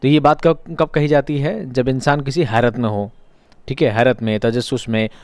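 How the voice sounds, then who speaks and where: Brief: lively male teacher explaining a story, mid-pitched, dry close sound. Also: normal speed, clear, resonant tone, dry recording. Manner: lively, conversational, acts out dialogue. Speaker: Urdu teacher.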